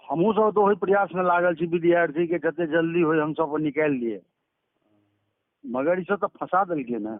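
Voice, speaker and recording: University official on a call, high voice, terse and factual; dry, phone-like sound. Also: male voice, moderate pace, dry recording. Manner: brief, matter-of-fact answers. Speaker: university examination controller. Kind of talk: phone conversation. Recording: dry tinny phone line.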